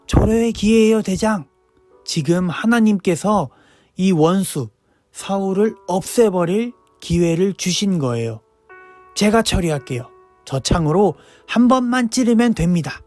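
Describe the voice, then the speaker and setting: A man's voice: high voice, animated, unhurried, darkish tone, faint music behind. Man voicing a keen young soldier, urgent. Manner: urgent whispered pleading. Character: young eager male soldier urging a kill.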